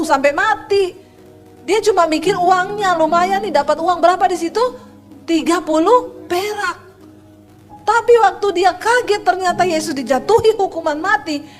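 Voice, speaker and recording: Woman pastor, middle-aged, high voice, animated preaching, soft music underneath. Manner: lively preaching with storytelling and humor. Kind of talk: sermon.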